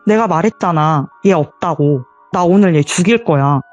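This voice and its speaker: A woman's voice: on the low side, normal speed, a little mellow, dry recording, highs cut off, soft background music, natural voice. A woman voicing a spirit that has possessed a young woman, speaking in a cold, taunting way while she retells a horror story.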